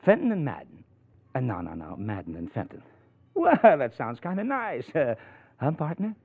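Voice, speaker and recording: Through the thin band of a vintage radio broadcast comes a cocky American ex-convict. He swings freely up and down in pitch, flirting and needling with slangy, sardonic wisecracks. It is 1940s crime drama, opportunistic and streetwise. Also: huge pitch swings, normal speed, vocal fry, husky, no room sound, heavily acted. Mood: sly, triumphant. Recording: muffled narrow-band old radio recording.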